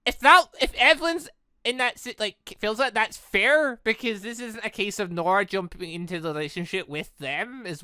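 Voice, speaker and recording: A gaming YouTuber giving animated, exclamatory commentary while playing and reading out a visual novel game, with music playing behind. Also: medium pitch, clean tone, dry recording, clean studio sound. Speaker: gaming YouTuber, let's player.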